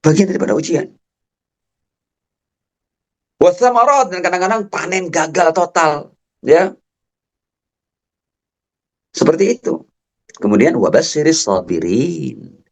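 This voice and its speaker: Man giving a lively religious lecture. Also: fairly high pitch. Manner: quotes Arabic verses slowly, then explains them. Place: lecture hall.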